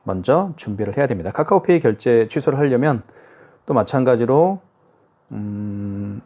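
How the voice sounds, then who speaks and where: Speaking at normal speed in a warm, medium-pitched voice with lively intonation, a male product demonstrator narrates each step of a casual tutorial. He's chatty, checks in with the viewer, and frequently says "자" and "그죠?", over a faint hiss and device clicks.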